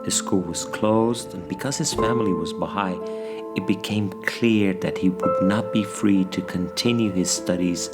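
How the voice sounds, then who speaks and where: A man narrates a documentary in a measured, explanatory way. His voice sits somewhat low. Loud music plays beneath him throughout. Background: loud background music.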